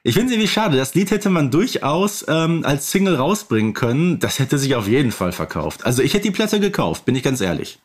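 A man's voice: on the high side, very animated, a little fast, few pauses. A man co-hosting a podcast, talking casually and conversationally as a fan. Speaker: podcast co-host.

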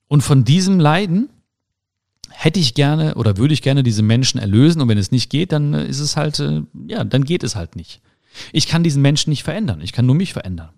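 A young man talks straight to his listener in a casual advice monologue, reflective and personal. His pitch swings up and down in a lively way as he acts out small imagined conversations. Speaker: podcast host.

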